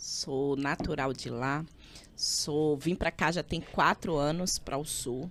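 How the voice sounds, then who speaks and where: A woman speaks very slowly with a northeastern Brazilian accent, her pitch very deep and low. Her intonation stays fairly even on a very clean recording with a silent background. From Northeast Brazil, Maceió, Alagoas. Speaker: pastor and author. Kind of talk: podcast interview.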